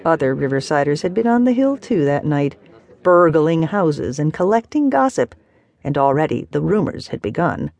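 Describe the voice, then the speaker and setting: A woman's voice: deep voice, big pitch swings, normal speed, darkish tone, a faint crowd. Woman narrating an audiobook. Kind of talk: scripted narration.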